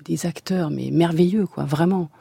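A woman's voice: on the low side, normal speed, gravelly, mellow, husky, no room sound. A woman actress speaking as a guest in a radio studio interview, hesitant, with many fillers and restarts.

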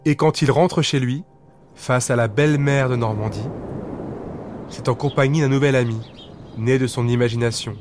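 A man's voice: mid-range voice, normal speed, long pauses, over music. Man narrating a bedtime story. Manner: lively expressive reading.

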